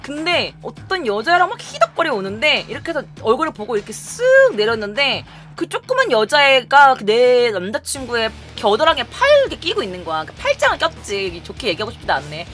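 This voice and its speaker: A young woman vlogger telling a story to camera in a casual, animated way, acting out quotes and laughing often. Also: on the high side, brisk, hardly any pauses.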